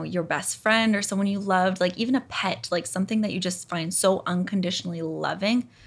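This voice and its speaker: A woman speaks at a moderate pace in an ordinary speaking voice, medium-pitched, on a very clean recording with a silent background. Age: 20s. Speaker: life coach. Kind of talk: casual chat.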